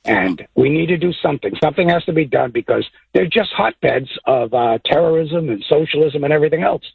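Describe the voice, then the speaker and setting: A man calling in to a talk radio show, raspy-voiced and opinionated, halting with fillers over a distorted phone line. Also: on the high side, expressive, dry recording. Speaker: caller.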